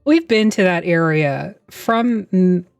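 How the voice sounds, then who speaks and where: A woman's voice: lowish voice, animated, slow pace, gravelly, a little mellow, clean tone, no echo, clean studio sound. A woman playing a tabletop game, chatty and self-deprecating about her plans. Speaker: player. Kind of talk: casual tabletop play.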